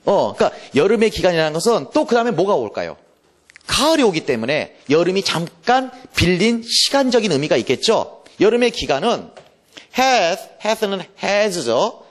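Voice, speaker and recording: A high-voiced man gives a literature lecture with a pitch that leaps all over. He fires teasing rhetorical questions at the class and slows right down to read English lines of verse. His talk is quick and playful. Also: sing-song. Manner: reads English verse slowly and deliberately.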